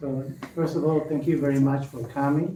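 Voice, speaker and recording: Over noticeable background noise and audible room echo, a man talks in a fairly high pitch with fairly even intonation. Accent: Italian. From Italy. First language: Italian. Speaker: professor. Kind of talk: lecture. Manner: halting.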